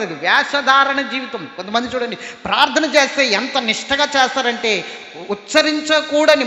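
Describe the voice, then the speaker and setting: Man, pastor, emphatic sermon, high voice, roomy hall echo. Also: bright, forceful tone. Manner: emphatic preaching with repeated calls for praise.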